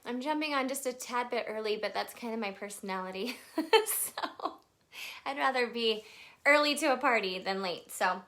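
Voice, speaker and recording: A woman's voice: a little high, moderate pace, fairly bright tone. A woman in her thirties from Texas, chatting nervously on a casual live video and greeting viewers by name. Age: 30s. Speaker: livestream presenter.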